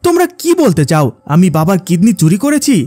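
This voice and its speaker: A greedy, quick-tempered grown son, played by a man, snapping back when pressed. The voice sits high and swings widely. It is recorded dry and close. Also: sing-song, darkish tone, no echo. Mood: angry. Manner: defensive, snapping.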